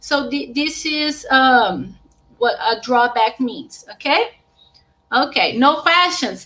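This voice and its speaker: In a Portuguese accent, a woman projects a raised, high-pitched voice with a bright, sharp tone and lively intonation, speaking at a very slow pace. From Brazil. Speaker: English teacher. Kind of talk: online live class. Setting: live stream. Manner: halting, many fillers.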